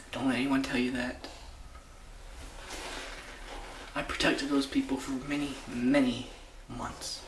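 Monotone, flat intonation from a man, with audible room echo and light background noise. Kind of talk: dramatic monologue. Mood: earnest, determined, somewhat sad. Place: home room. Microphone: phone near.

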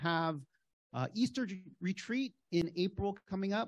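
This man's delivery is fairly slow. The rise and fall of his pitch is ordinary. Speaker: church announcer. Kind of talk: announcements. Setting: church. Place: church.

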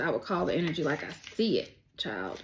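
A woman talks with a Southern US accent over light background noise. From US South. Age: 30s. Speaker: tarot reader. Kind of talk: tarot reading. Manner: casual, rambling. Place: home room. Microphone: phone near.

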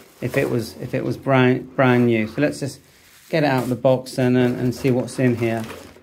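Someone speaks with a British accent at a moderate pace over light background noise. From UK. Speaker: amateur radio hobbyist YouTuber. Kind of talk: product unboxing and demo. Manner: casual, hesitant with fillers. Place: home room. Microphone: phone near.

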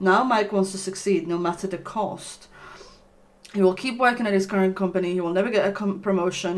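A woman is speaking. Her pace is fairly quick. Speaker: streamer. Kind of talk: reading game text aloud with commentary. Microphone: headset.

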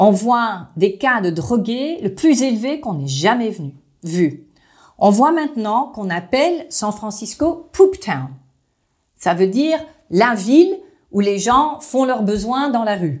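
Very slowly, a woman speaks in a fairly high, somewhat breathy voice. Her pitch swings very widely against a quiet background. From California. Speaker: climate policy expert; interview guest. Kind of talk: interview. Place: office. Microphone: lapel.

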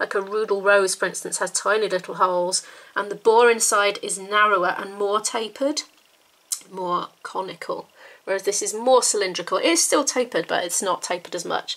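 Her pitch moves in an ordinary way as the woman delivers her words fairly quickly. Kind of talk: casual vlog chat. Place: home room. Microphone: phone near.

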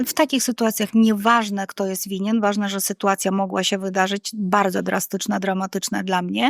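A woman speaks in a plain, everyday voice at a medium pitch, with fairly even intonation and a moderate pace with hardly any pauses. The recording is very clean and dry, close with no echo, over a silent background. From Georgia. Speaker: author. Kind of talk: interview.

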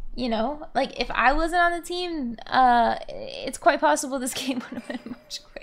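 Her pitch high, a woman speaks at a moderate pace with hardly any pauses, ordinary pitch variation and big swings in loudness. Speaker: streamer. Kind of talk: live gaming stream commentary. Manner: sarcastic.

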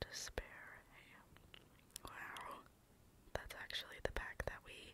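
Very slow whispering from a woman amid noticeable background noise. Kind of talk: ASMR card opening. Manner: whispered.

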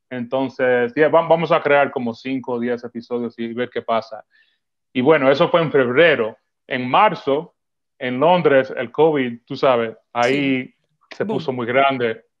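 A man talks fairly slowly in an ordinary speaking voice at a medium pitch, with ordinary pitch variation. His loudness swings widely over a quiet background. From New York, Dominican-American family. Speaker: film photographer; podcast guest. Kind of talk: casual interview. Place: home room. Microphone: video call.

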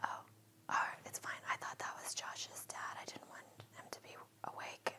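A woman whispering at a moderate pace. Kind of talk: casual scripted comedy monologue. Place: kitchen. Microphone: webcam.

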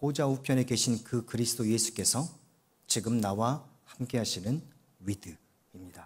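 A man speaks at a moderate pace with very even loudness and ordinary pitch variation. His voice is somewhat breathy. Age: 70s. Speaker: missionary preacher. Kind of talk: sermon with consecutive interpretation. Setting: church. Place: church. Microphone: podium.

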